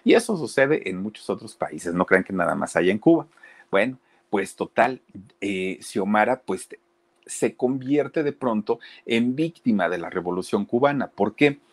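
A man's voice: fairly low pitch, expressive, unhurried. A man casually telling a story, chatting directly to his listeners. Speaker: storyteller host.

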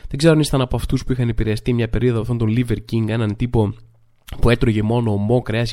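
A man hosting a podcast, telling comic stories in a chatty monologue. He talks with lots of filler phrases and mimics other people's lines. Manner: animated, acts out other people's lines with jumps in pitch. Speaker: podcast host.

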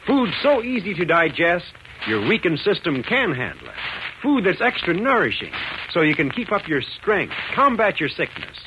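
An American man working as a 1940s radio announcer, delivering sponsor pitches and serial narration in an earnest, emphatic way. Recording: noisy, muffled 1940s radio recording.

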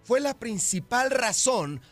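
A man's voice: very high-pitched, slow, faint music behind. A man presenting sports news on a morning show, then joking and laughing in studio banter with his co-host. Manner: lively, playful, laughs easily.

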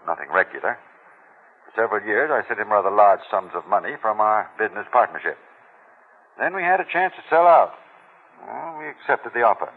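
Old wealthy client, stubborn, blunt, husky voice, lively ups and downs, old radio recording, thin phone-like sound. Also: male voice, on the low side, fairly quick. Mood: insistent. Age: older. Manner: blunt, commanding. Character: elderly wealthy man, stubborn and insistent. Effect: old radio broadcast recording. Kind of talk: 1940s radio acting.

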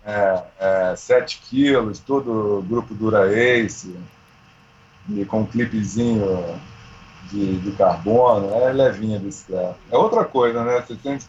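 A man of around sixty with a husky voice, chatting informally and slangily as he tells stories. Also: lowish voice, measured pace, a little mellow, lo-fi sound, a little hiss or hum. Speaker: amateur triathlete, interview guest. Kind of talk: casual chat, storytelling.

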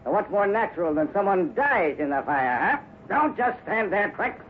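An actor playing a cold, scheming villainous colonel in a 1950s radio drama, speaking with menace. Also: male voice, high-pitched, sing-song, moderate pace. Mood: cruel. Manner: menacing, sneering, shouts in a struggle. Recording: tinny old radio broadcast with hiss.

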